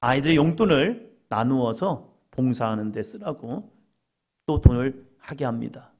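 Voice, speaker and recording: Gravelly-voiced Korean pastor preaching. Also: male voice, mid-range voice, lively intonation, measured pace. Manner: conversational preaching, acts out quoted inner voices. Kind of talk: sermon.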